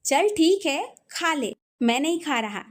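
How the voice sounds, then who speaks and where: A woman's voice: high voice, animated, slow pace. A woman voicing a teasing older brother who banters mockingly with his sister.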